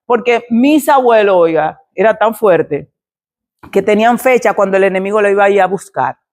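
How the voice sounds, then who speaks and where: A woman's voice: mid-range voice, moderate pace, darkish tone. Middle-aged woman pastor, mid-range voice, sermon testimony told dramatically, plays out the dialogue herself. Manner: dramatic storytelling, acts out quoted dialogue.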